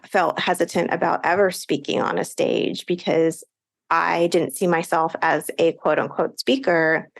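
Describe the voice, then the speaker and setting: A woman podcast coach, a guest in a casual interview, talking earnestly and reflectively, with quick bursts of speech. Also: mid-range voice, vocal fry.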